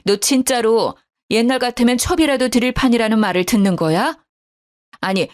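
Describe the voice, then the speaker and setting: A woman's voice: mid-range voice, no echo, studio quality, lightly acted. A woman voicing an indignant middle-aged mother, fretful and outraged, in a storybook narration.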